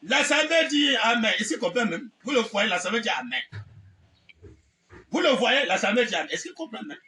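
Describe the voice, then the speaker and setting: A man's voice: very high-pitched, big pitch swings, normal speed, bright, forceful tone. A man preaching a fiery revivalist sermon, exclamatory and theatrical, insistently repeating phrases and amens. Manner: mocking, theatrical asides. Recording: distant mic with faint background noise.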